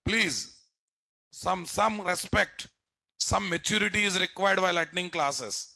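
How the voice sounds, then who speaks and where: A man's voice: sits high, unhurried, vocal fry, bright, forceful tone, no echo. A man with a Telugu Indian English accent teaching a live programming class in a blunt, scolding way, repeating himself and tossing out rhetorical questions. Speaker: programming instructor. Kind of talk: live classroom lecture to students.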